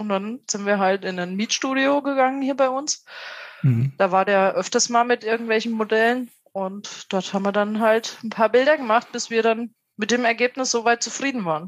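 Speaking at a moderate pace, a woman with an unremarkable speaking voice uses a fairly high pitch and ordinary pitch variation. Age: 40s. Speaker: nude and bondage model. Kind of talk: casual interview. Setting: video call from home office.

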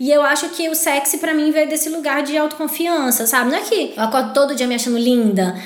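A woman's voice is heard. Noticeable background noise accompanies it. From interior of Minas Gerais, Brazil. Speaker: podcast co-host, style consultant. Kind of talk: casual chat.

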